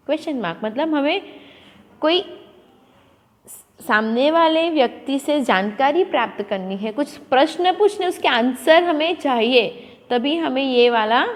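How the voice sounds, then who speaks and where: A woman teaching a school lesson to children, explaining patiently and mixing Hindi with English words. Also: a little high. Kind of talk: classroom lesson. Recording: long echoing reverb.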